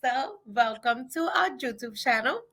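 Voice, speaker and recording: Excitable woman co-host, giggly, fairly high voice with a bright edge, casual chat. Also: measured pace. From Puerto Rico, raised in the Bronx. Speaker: co-host, travel agent.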